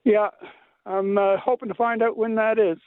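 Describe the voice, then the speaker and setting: A man's voice: sits high, flat delivery, normal speed, no room sound. A man from Nova Scotia calling in to a radio show, plainspoken and folksy, rambling through his point. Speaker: caller. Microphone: phone. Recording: phone line.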